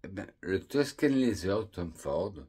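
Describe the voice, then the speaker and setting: A deep-voiced man from France talks through perfumes in a relaxed video review. His voice is low and a little husky, and he takes his time, naming notes one after another in an unhurried way. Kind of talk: casual perfume review vlog.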